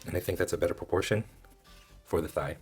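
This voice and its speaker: A man who is a little hoarse, giving casual step-by-step drawing instruction and thinking aloud as he demonstrates. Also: deep voice, quick pace, darkish tone, soft background music. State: hoarse, losing his voice. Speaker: drawing tutorial host.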